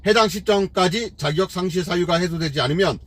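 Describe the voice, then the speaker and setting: A man's voice: high voice, a little fast, fairly bright tone. A middle-aged man, a taxi driver hosting his own channel, delivers an opinionated commentary full of scolding rhetorical questions and fillers.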